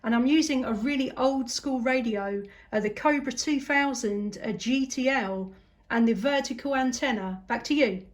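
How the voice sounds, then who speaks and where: Here a woman from southeast England, speaking with a southern English accent, makes casual, appreciative conversation over amateur radio. She talks at a normal speed in a high-pitched voice.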